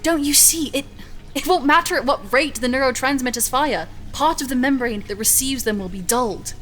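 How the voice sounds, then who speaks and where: An actress playing a stubborn, confident scientist in an audio drama, speaking in an assured, articulate, insistent way. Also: female voice, high-pitched, moderate pace, a bit bright, faint music behind. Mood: excited, persuasive. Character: driven, stubborn female scientist, defiant and confident. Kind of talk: audio fiction acting.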